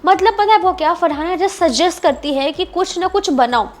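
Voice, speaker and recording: High-voiced chatty woman recapping. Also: animated, normal speed. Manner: chatty, repetitive retelling with frequent "bhai"; mixes English words into Hindi. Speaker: reality show recap presenter. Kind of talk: casual spoken recap.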